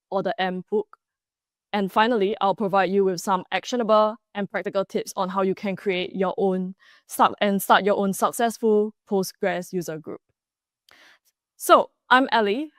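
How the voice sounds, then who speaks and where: Woman presenting a talk, middle pitch, dry close mic, enthusiastic, small restarts. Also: no echo. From Singapore. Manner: enthusiastic, reads prepared remarks with small restarts. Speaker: conference speaker.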